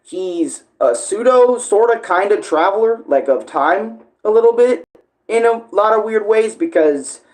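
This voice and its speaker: A man's voice: sits high, lively intonation, a little slow. A man chatting casually as an online streamer, rambling along, often searching for words and correcting himself. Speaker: online video creator and live streamer. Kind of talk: casual rambling livestream chat.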